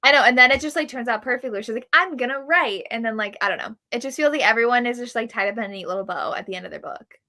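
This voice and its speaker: On a live show, a book club readalong co-host chats casually about books, using "like" constantly and acting out quotes. Her voice is on the high side, bright and forceful, moving quickly with few pauses.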